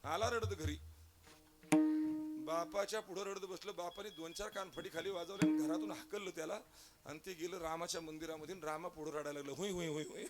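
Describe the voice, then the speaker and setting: A man with a Marathi accent giving a devotional kirtan sermon, telling a funny story and acting out its dialogue. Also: high-pitched. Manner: humorous storytelling, acts out dialogue, bursts into chanting. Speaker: kirtan preacher.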